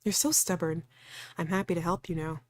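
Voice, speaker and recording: A woman voicing a gentle, doting male automaton caretaker in a visual novel, with solicitous questions. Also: lowish voice, fairly even intonation, brisk, close to an everyday voice. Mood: caring, fussing.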